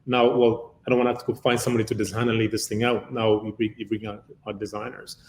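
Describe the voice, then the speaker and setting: Man, 50s, from Uganda, founder being interviewed, low voice, rambling delivery, echoey room. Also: little pitch movement, quick pace. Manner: long-winded, many "uh" fillers. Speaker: guest, company founder. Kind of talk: conversational interview answer.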